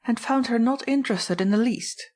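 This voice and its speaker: A woman voicing a proper, haughty society matron in an audiobook, with expressive delivery. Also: on the low side, moderate pace, breathy edge, full character voice. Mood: cool, cross. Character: haughty, cool society matron, Mrs. Beekman.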